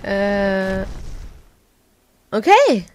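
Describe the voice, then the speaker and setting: A woman's voice: mid-range voice, big pitch swings, very slow, darkish tone, slight background noise. A woman giving casual, chatty video game commentary, giggling often and stumbling over her words. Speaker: let's play gamer. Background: faint game music.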